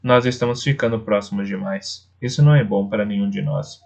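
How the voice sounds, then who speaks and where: A man narrating an audiobook in the first person, with a steady, earnest reading. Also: on the low side, a little fast, gravelly. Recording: dull lo-fi recording.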